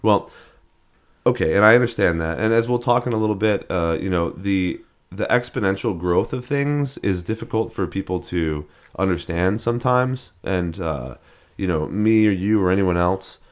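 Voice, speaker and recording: A man's voice: deep voice, expressive, normal speed. A man co-hosting a podcast in casual chat, rambling with frequent restarts and fillers. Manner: rambling, many restarts and fillers, laughs at odd names. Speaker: podcast co-host.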